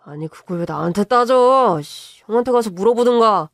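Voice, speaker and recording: A woman's voice: on the high side, expressive, normal speed, dry recording, clean studio sound. Woman reading a rude, snapping brother-in-law. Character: rude hot-tempered younger brother-in-law, evasive.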